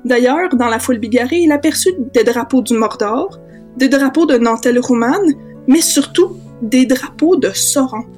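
A woman with a Québécois accent reading a comic parody story with lively long lists. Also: high voice, moderate pace, soft background music.

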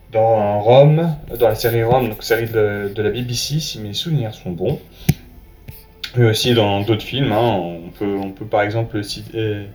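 A man hosting a casual spoken review, talking straight to the listener in a relaxed, halting way with lots of fillers and restarts. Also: on the low side. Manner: hesitant, many fillers and restarts; informal, talks directly to the listener. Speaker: host reviewing a film's box art. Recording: echoey room with faint music.

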